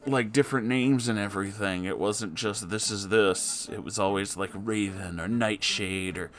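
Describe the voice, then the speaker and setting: A man's voice: on the low side, moderate pace. A man reading a story aloud as a host, breaking in with wry, conversational asides.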